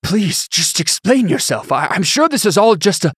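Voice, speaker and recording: A man voicing a pompous middle-aged bishop who blusters and pleads in a shrill, strained voice. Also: very animated, normal speed, slightly rough, no echo, clean studio sound, exaggerated voice. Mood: pleading panic.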